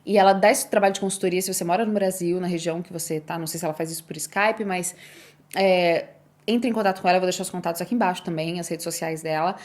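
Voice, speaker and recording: A woman's voice: fairly low pitch, steady tone, fast talker, a little mellow. A young woman with a Brazilian accent, talking in a casual personal vlog, chatty and emotional, speaking straight to her viewers. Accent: Brazilian Portuguese. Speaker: vlogger.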